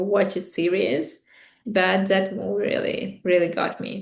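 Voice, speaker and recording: With audible room echo, a woman speaks at a medium pitch with vocal fry. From Ukraine. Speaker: writer and filmmaker. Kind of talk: interview.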